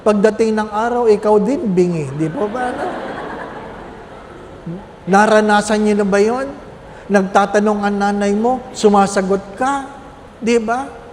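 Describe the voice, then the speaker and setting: A man's voice: high voice, unhurried, pauses often, big-room sound, a little hiss or hum. A man, a Catholic priest, preaching a homily with humorous stories and constant questions to his congregation. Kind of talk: sermon.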